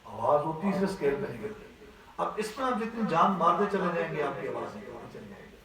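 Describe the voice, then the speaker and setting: A man's voice: on the high side, sing-song, very echoey, distant mic, crowd noise, rough recording. A man teaching a class on Quran recitation, explaining step by step and often checking that his students follow. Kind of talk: classroom voice lesson.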